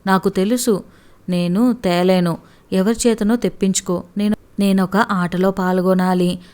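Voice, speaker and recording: A woman's voice: mid-range voice, fairly even intonation, unhurried, darkish tone, clear, resonant tone, close to an everyday voice. A woman voicing an irritable young male college student who speaks curtly and impatiently in a read-aloud story.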